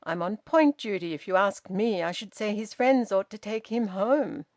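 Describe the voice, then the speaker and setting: A woman's voice: medium pitch, normal speed, no echo, natural voice. A woman voicing a young male policeman who speaks in a sneering, sarcastic way.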